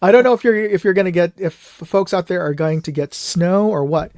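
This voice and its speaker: A middle-aged American man hosting a casual live chat, speaking haltingly and often repeating himself. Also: high-pitched, darkish tone, dry recording, studio quality. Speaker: live show host. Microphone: USB microphone.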